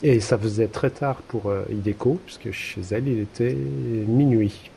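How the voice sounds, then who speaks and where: A man's voice: mid-range voice, normal speed, gravelly, mellow, slight background noise. A man co-hosting a podcast in casual chat, talking hesitantly with many fillers and restarts. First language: French. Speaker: podcast co-host.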